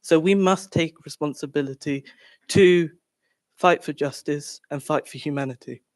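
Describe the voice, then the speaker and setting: A man giving a prepared reflective speech at a commemorative event, solemn, with halting phrasing. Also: on the high side, darkish tone, dry recording.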